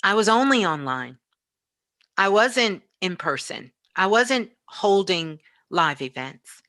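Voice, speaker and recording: A middle-aged woman talking casually as a guest in a spiritual interview, expressive and emphatic, repeating phrases to drive them home. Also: mid-range voice, slow pace, no echo, studio quality. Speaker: guest, online radio show host.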